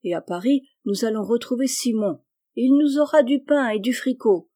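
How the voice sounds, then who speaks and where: A woman reading aloud, voicing a kind, patient young boy who coaxes and reasons gently. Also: fairly high pitch, expressive, normal speed. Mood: coaxing. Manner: coaxing, earnest pleading. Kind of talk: audiobook reading.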